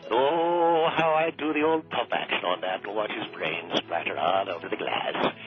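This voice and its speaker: A man voicing a lilting Irish priest who used to be a violent New York cop, swinging from gentle preaching to brutal shouting. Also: lowish voice, moderate pace, voice pushed down, close to an everyday voice. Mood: menacing. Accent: Irish, put on. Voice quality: lilting, sing-song. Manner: switches between soothing preaching and brutal shouting. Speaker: radio comedy character. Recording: lo-fi radio broadcast with music underneath.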